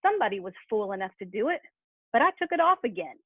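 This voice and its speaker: A woman's voice: medium pitch, big pitch swings, fast talker, slightly rough, no room sound. A woman playing a callous, brazen working-class scavenger in an amateur dramatised reading. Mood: scornful, brazen. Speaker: library staff reader in a play. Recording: thin tinny phone-like sound.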